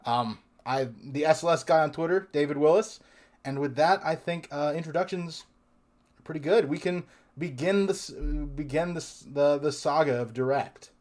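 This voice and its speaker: A man's voice: fairly high pitch, normal speed, a little mellow. A man hosting a live online panel in a loose, chatty way, often restarting his sentences. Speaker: livestream host.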